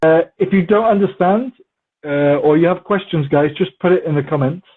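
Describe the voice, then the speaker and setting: Brief: man, language teacher, husky, slightly high voice, tinny phone-like sound. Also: moderate pace. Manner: relaxed, repetitive for emphasis, mixes in Turkish words. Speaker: English teacher interviewed as guest. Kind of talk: casual conversational Q&A. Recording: muffled phone-like audio.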